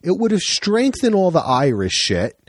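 A man hosting a casual podcast chat, rambling and animated, with frequent swearing. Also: high voice, normal speed. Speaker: podcast host.

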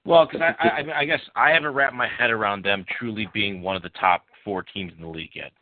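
A man's voice: on the low side, fast, no room sound. A man hosting a casual sports podcast who leans on numbers and leads the questions. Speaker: podcast host. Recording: tinny phone-like, dry sound.

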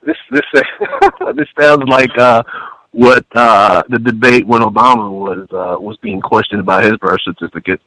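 A man's voice: mid-range voice, very animated, measured pace, creaky, sharp tone, dry recording, poor audio. Defensive French-born man on radio. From France. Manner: defensive, repeats and restarts words. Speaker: guest. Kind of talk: call-in radio debate.

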